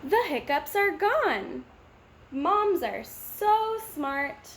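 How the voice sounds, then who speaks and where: Expressive woman reading to children. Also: high voice, extremely slow, slight background noise. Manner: sing-song, expressive storytelling. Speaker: storybook reader. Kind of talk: children's read-aloud.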